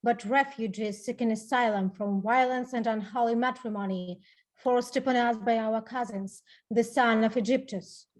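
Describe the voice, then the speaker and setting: A woman's voice: fairly high pitch, fairly even intonation, moderate pace, natural voice. A woman playing a solemn exiled suppliant who invokes the gods in a Greek tragedy reading. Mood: solemn, invoking. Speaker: actor.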